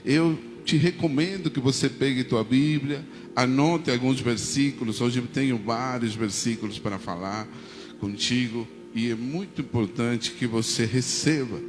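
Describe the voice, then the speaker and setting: A native Spanish-speaking pastor from Argentina, with a medium-pitched voice and a slightly slow pace, preaches a sermon in an Argentine Spanish accent, leading the congregation in call-and-response prayers and saying "amém" often. The sound has a long reverb tail with music in the background.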